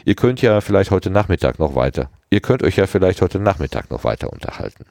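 A man reading aloud and voicing a busy, hurried mother with a raised, brisk voice. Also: deep voice, very animated, gravelly, a little mellow, no room sound, studio quality, exaggerated voice.

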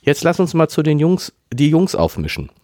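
A man reading aloud voices Melanie, an eager, curious teenage girl who asks bright questions in a much higher voice. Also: big pitch swings, moderate pace, no echo, clean studio sound.

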